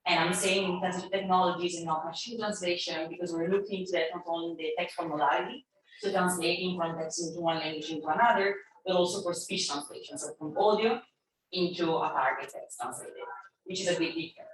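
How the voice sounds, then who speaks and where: A woman's voice: on the low side, steady tone, quick pace. A young adult woman who is a native Italian speaker, introducing herself on a panel in a thoughtful, hesitant way with fillers. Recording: echoey distant room mic, faint noise.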